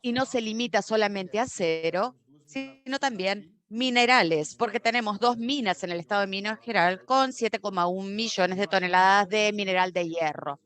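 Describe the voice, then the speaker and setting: A woman's voice: mid-range voice, moderate pace. Woman interpreting a conference talk. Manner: steady with frequent self-corrections and restarts. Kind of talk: simultaneous interpretation of a corporate talk.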